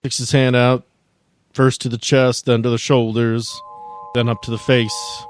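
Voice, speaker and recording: A man's voice: medium pitch, level tone, measured pace, clear, resonant tone, no echo, studio quality, soft background music. A man narrating a tabletop roleplaying game as the game master.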